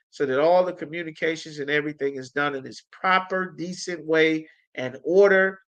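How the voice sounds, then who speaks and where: Male preacher, bright and slightly high, commanding with call-and-response asides. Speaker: teacher. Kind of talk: preaching announcements.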